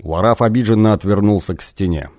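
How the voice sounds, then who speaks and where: A man reading a fantasy novel aloud as an audiobook narrator, in a measured storytelling way. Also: fairly low pitch, darkish tone.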